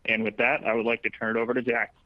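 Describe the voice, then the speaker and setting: A man formally reading legal disclaimers at the start of an earnings call, flat and businesslike. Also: mid-range voice, fast talker, no echo. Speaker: investor relations presenter. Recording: dry, dull lo-fi audio stream.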